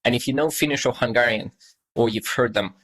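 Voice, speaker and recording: A man's voice: mid-range voice, fairly quick, a bit bright, rough recording. A man in his thirties from Estonia, a native Russian speaker, talking as a podcast guest in a thoughtful, meandering way with many fillers. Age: 30s. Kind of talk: casual podcast conversation.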